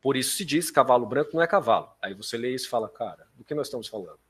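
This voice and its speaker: Brazilian man lecturing, halting and didactic. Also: mid-range voice, lively intonation, fairly bright tone, breathy edge. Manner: didactic, frequent check-in questions to listeners. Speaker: professor giving a lecture. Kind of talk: academic philosophy lecture with informal asides.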